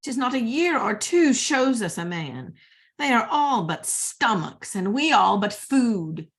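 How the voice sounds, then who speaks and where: A woman reading the part of a worldly, cynical lady's maid in a Shakespeare play, measured and knowing. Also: on the high side, big pitch swings, slightly rough, full character voice. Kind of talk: Shakespeare read-aloud, dramatic verse.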